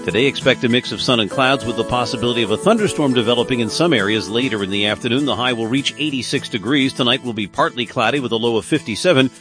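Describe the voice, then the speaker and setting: Male meteorologist, rapid delivery, faint music under the read. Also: medium pitch. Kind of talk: weather forecast reading.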